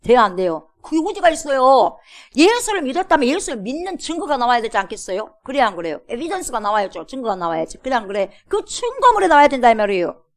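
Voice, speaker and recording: A woman's voice: sits high, sing-song, quick pace, few pauses. A woman pastor preaching a sermon in a church, emphatic, calling out to the congregation and asking rhetorical questions. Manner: emphatic, many rhetorical questions and repeated "여러분". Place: church sanctuary.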